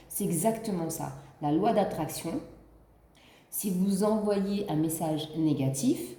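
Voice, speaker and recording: A woman's voice: on the low side, mellow, reverberant. A woman with the flu giving a casual spiritual card reading, rambling with many fillers and restarts. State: has the flu. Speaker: card reader.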